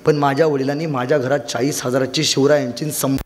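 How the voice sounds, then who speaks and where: A man's voice: medium pitch, little pitch movement, brisk. A young man with a Marathi accent giving an emphatic motivational speech with stories, often repeating key lines. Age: young adult. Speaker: motivational speaker. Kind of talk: public motivational speech with storytelling. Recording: long reverb of a large hall.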